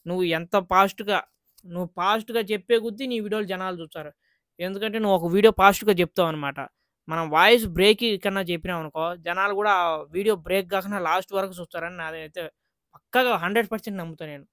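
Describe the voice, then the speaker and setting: A man's voice: sits high, fast talker, fairly bright tone, no echo, studio quality. A man vlogging in a casual, earnest way, chatting straight to his viewers.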